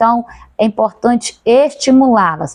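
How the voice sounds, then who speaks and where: A woman speaks at a fairly slow pace with a fairly high pitch and ordinary pitch variation. The sound is dry and close, with no echo. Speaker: teacher. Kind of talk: lecture. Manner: stumbles over words, self-corrects.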